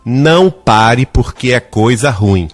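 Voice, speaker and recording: A man retelling a gentle elderly medium's warning. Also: medium pitch, expressive, takes it slowly, soft background music. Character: elderly gentle male medium, calm and protective.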